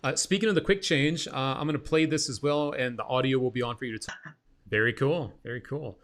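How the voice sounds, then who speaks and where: Man, interview host, medium pitch, informal, effusive, slangy, conversational. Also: a little fast. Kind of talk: casual interview chat.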